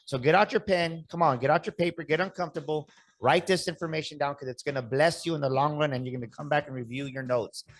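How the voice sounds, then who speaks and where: A man hosting a motivational podcast, energetic and urging listeners to act. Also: on the high side. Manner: energetic, hyped-up delivery with repeated calls to action. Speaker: podcast host.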